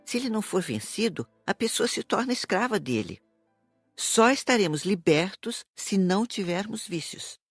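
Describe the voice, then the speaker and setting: Calm female spirit teacher, played by a woman, measured and didactic, close dry recording with faint music. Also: medium pitch, slightly rough, no echo. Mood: instructive. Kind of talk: audiobook dialogue.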